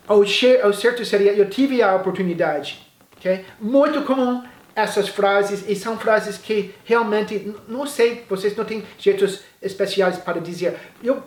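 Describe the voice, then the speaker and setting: In a reverberant space, a man whose mother tongue is English gives an English class in Portuguese. His pitch sits high, and he delivers each example phrase slowly and carefully.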